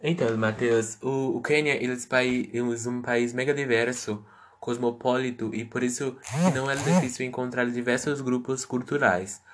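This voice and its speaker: A man's voice: medium pitch, steady tone, normal speed. A man answering interview questions as a guest, reading prepared answers with stumbling restarts.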